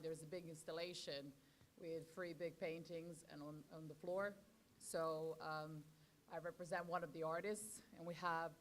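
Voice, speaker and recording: A woman from Serbia with a Serbian accent, an artist giving an informal, slightly scattered thank-you speech at a conference. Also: on the low side.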